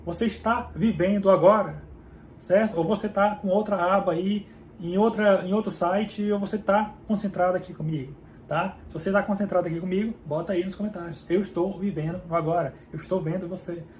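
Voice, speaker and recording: Fairly quick and fairly even in intonation, the man's high voice is a little mellow, with a Brazilian Portuguese accent. He runs a casual book summary, explaining conversationally and often asking "tá?" or "certo?" to check in. Faint hum and room echo are audible.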